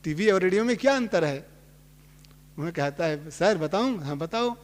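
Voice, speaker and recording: A man's voice: high-pitched, lively intonation, moderate pace. A man, a spiritual teacher, giving a plain, conversational sermon with homely examples. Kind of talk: sermon with sung verses. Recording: long hall reverb.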